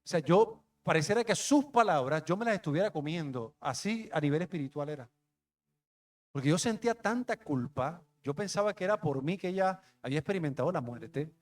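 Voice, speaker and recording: Emotional young pastor telling a testimony. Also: male voice, fairly high pitch, animated, brisk. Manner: conversational, emotional storytelling with street slang. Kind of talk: testimony sermon.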